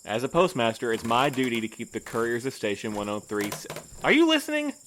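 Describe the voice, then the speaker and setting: A man's voice: medium pitch, sing-song, fairly quick, noisy background, lightly acted. A man playing a stubborn, by-the-book postmaster in an audio drama, speaking in a formal, politely dry way. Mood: patient, dry. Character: prim, stubborn male postmaster, a by-the-book boss. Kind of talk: naturalistic audio drama acting.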